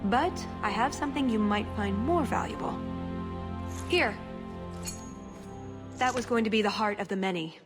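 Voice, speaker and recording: Actress as female fantasy-game agent, earnest, self-assured, wry, medium pitch, clear musical backing. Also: moderate pace, long pauses, loud music behind the voice, lightly acted.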